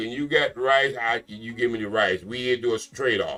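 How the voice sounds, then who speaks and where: Here a man talks at a fairly quick pace. He has a plain, everyday voice with ordinary pitch variation. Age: 60s. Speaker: elder guest on live stream chat. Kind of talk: casual chat.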